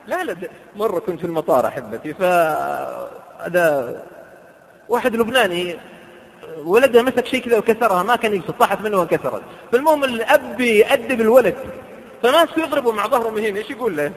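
A man giving a lively sermon full of anecdotes, slowing into a drawn-out chant when he quotes verses. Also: high voice, long reverb tail, low-quality recording. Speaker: preacher.

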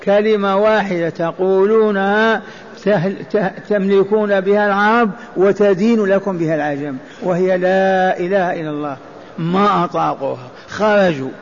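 A man's voice: high-pitched, moderate pace. A man delivering a sermon explaining scripture, emphatic and repetitive, asking rhetorical questions. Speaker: preacher. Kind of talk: Quranic exegesis sermon. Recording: dull lo-fi recording with faint noise.

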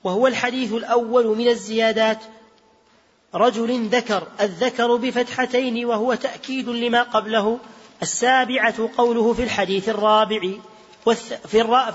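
A man reading a text aloud to his teacher in a steady recitation, correcting his own slips now and then. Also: very high-pitched. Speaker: student reader. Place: large mosque hall. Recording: reverberant hall, dull lo-fi sound.

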